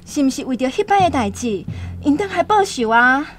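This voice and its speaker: A woman's voice: high-pitched, very animated, brisk, soft background music. A woman playing an anxious young tribal woman, earnest and dramatic in a radio drama, with a Taiwanese accent. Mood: worried. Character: anxious young tribal woman, the chief's daughter, recounting memories. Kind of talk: radio drama acting with first-person narration.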